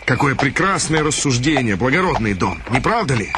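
An actor playing a meek, uneasy commoner with a bitter streak in a radio drama. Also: male voice, medium pitch, very animated, a little fast, close to an everyday voice. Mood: bitterly recounting. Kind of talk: radio drama monologue and dialogue. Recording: old radio recording, very noisy.

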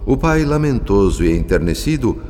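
Brazilian male narrator, deep and grave, literary dramatic script, reverberant with music bed. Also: big pitch swings, moderate pace, a little mellow, slight background noise. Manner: solemn, literary.

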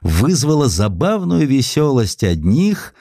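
A man reading a historical essay as a dramatic audiobook narrator, with expressive, theatrical emphasis. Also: mid-range voice, takes it slowly, gravelly, no echo, clean studio sound.

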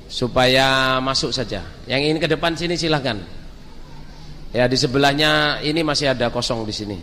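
A man's voice: mid-range voice, normal speed, in a large hall, slight background noise. A man preaching a sermon, telling stories and speaking straight to the congregation. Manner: storytelling, lively, addresses the crowd directly.

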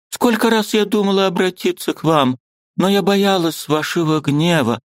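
A man voicing a remorseful young wife who begs her husband's forgiveness in a high, tearful falsetto. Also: dry recording, clean studio sound. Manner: high pleading falsetto, sobbing lament.

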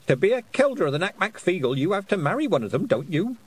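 A man's voice: a little high, big pitch swings, normal speed, pitched above the performer's own voice. A man voicing a short, jolly old woman witch who chats in a folksy, knowing way. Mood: cheeky.

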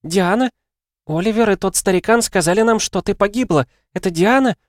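A man reading an audiobook, voicing an excitable, gushing woman friend on the phone. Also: high voice, brisk, no room sound, studio quality, pitched above the performer's own voice, lightly acted. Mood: shocked, flustered. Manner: effusive, exclaiming.

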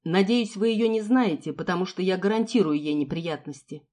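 Figure: angry male police officer, read by a woman. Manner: loud, scolding, threatening. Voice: mellow and warm. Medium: audiobook. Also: lowish voice, moderate pace, natural voice.

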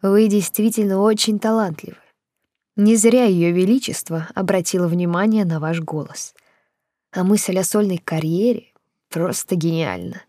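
A woman narrator voicing a poised court lady in her fifties, measured and slightly gloating. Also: on the low side, warm tone, dry recording, lightly acted. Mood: gracious. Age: 50s. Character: poised older court lady, wry and gracious.

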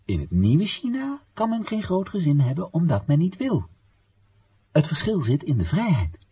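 A man's voice: fairly high pitch, wildly swooping pitch, normal speed, warm tone, husky, heavily acted. An actor playing a dogmatic male party comrade in a radio play, lecturing in a didactic, emphatic way. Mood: patronising, firm. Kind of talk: scripted radio drama dialogue.

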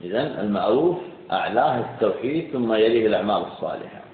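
A man from Saudi Arabia delivers a religious lecture in brisk, short phrases, stopping between them so each can be translated. His voice moves widely in pitch. The sound is thin and tinny and echoes around a large hall. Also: expressive, slight background noise. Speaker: Islamic preacher. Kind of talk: religious lecture through an interpreter.

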